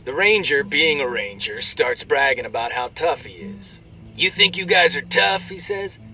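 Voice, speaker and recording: Brash joke-telling soldier, off-mic. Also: male voice, fairly high pitch, lively intonation, sharp tone, distant mic, soft background music, full character voice. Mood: cocky, joking. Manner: crude, swaggering, drawn-out punchline delivery. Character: brash, crude male army soldier cracking off-duty jokes. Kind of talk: military banter, performed joke storytelling.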